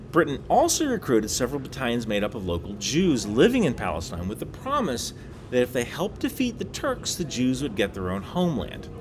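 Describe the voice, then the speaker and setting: A man talks through a casual explainer monologue, his voice swinging lively up and down as he drops wry asides and leans hard on key points. He's recording on a laptop mic while away on a work trip. A faint ambient hum sits under his voice. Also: mid-range voice. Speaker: YouTube explainer host.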